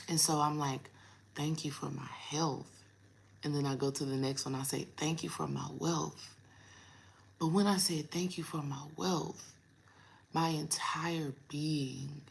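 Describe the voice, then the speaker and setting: Raspy low-voiced woman chatting to viewers. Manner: chatty, addresses viewers as y'all, drawn-out pauses. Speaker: spiritual coach and host. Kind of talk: casual vlog talk to viewers.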